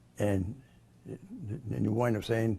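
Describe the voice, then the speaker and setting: Fairly low male voice with an American accent, vocal fry, a dark, mellow tone and ordinary pitch variation. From Albany, New York. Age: 80s+. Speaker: World War II veteran. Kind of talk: interview answer.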